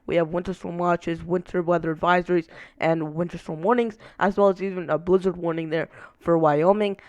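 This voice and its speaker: A young man gives a casual weather forecast while sick, his voice raspy and a little lower in volume. His pitch sits a touch high for a man, the sound is smooth underneath the rasp, and it is recorded dry and close. He fills his walk through the maps with frequent "uh"s. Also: steady tone, brisk, no echo. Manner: many "uh" fillers while walking through maps.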